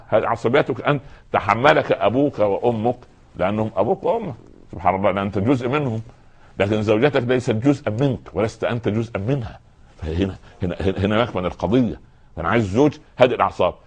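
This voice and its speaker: Fast-talking, deep-voiced preacher. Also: male voice. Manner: earnest, admonishing, addresses listeners directly, acts out quoted voices. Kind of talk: sermon.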